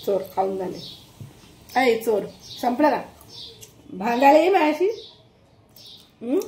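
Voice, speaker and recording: A woman's voice: fairly high pitch, very animated, measured pace, mellow, a little hiss or hum. A woman talking to her pet dog at home, scolding and coaxing it in a casual, bossy way. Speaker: pet vlogger. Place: home kitchen.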